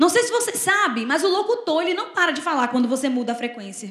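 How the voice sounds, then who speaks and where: A woman's voice carries audible room echo. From Rio Grande do Norte, Brazil (Natal). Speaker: preacher. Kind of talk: sermon.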